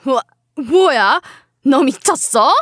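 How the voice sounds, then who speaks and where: A woman's voice: high voice, lively intonation, extremely slow, a bit bright, dry recording, clean studio sound, exaggerated voice. A woman voicing a scornful older woman doctor who scolds and belittles her daughter-in-law in a dramatized story reading. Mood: outraged. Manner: sneering, scolding, contemptuous.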